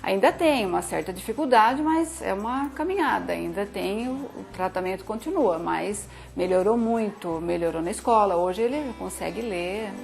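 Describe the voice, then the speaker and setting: Gravelly woman giving a halting testimonial. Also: medium pitch, animated, a little mellow, soft background music. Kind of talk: testimonial speech.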